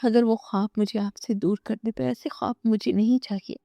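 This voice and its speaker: Tearful young wife, soft and pleading, read by a woman, mellow and dry. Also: a little high, steady tone, vocal fry, dry recording.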